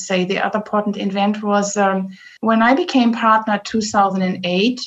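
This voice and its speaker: A woman's somewhat breathy, fairly high-pitched voice with a German accent. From Germany, Ruhr region (Mülheim an der Ruhr). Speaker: management consultant. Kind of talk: interview.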